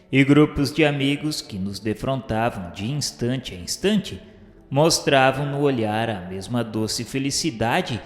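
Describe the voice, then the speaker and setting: In a long, echoing reverb, a man plays a reverent spirit narrator of a radio drama. He has a mid-pitched voice and declaims literary prose in an earnest, solemn way. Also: lightly acted. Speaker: narrator character. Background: music.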